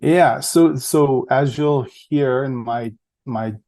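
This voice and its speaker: A man's voice: mid-range voice, slow. Man with a central Massachusetts accent. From Massachusetts, USA. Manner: reflective, easygoing, with frequent fillers and soft laughs. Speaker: podcast guest, public health researcher. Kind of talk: casual interview conversation.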